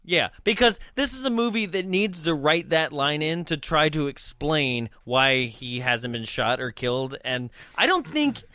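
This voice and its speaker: Animated laughing man, bright voice. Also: a little high, measured pace, hardly any pauses, no room sound, clean studio sound. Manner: laughs often, animated, trails off. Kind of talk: casual chat about a movie.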